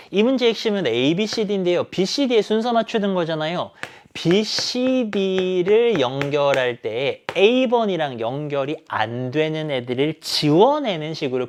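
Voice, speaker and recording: A man teaching an English exam lesson, emphatic and animated, asking questions and answering them himself. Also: on the high side. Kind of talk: exam explanation lecture.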